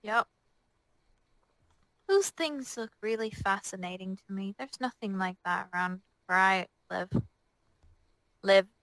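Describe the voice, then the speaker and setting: A woman's voice: medium pitch, takes it slowly, pauses often, a bit bright, dry recording. A woman playing a tabletop roleplaying game, chatting casually in improvised in-character dialogue.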